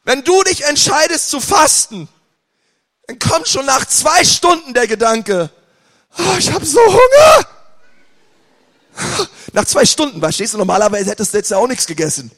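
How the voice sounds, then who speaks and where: A man preaching a sermon with passion, moving between loud outbursts and quiet, intense stretches. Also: very high voice, animated, moderate pace. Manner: impassioned, swings from loud to quiet. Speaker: pastor. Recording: long hall reverb.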